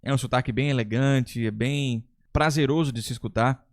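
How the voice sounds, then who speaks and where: A man who teaches English gives casual, chatty commentary with the odd bit of slang. His voice sits at an ordinary middle pitch. The recording is close and dry, with no room echo. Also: moderate pace. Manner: relaxed, chatty, with occasional slang. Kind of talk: casual tier-list commentary.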